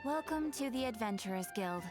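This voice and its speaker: A woman's voice: a little high, animated, a little fast, natural voice. A woman voicing a polite young guild receptionist in a video game, speaking in a courteous, formal way. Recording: game audio over loud music.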